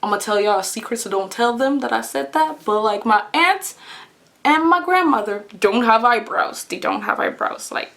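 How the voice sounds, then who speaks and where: A woman's voice: on the high side, expressive, normal speed, gravelly, fairly bright tone. A young woman vlogging to camera in a casual, earnest way, often laughing and repeating her phrases.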